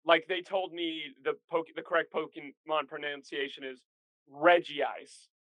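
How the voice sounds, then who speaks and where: A man's voice: fairly high pitch, steady tone, unhurried, a bit bright, no echo, rough recording. A man co-hosting a podcast in casual chat, self-deprecating and rambling, often repeating words. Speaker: podcast co-host.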